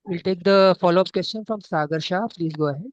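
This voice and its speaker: A man's voice: high voice, fairly quick, no room sound. A man moderating a conference call with formal, scripted instructions. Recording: muffled, lo-fi conference call audio.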